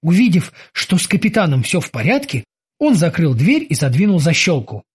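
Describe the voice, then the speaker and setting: Husky woman narrating an audiobook. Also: fairly low pitch, very animated, normal speed.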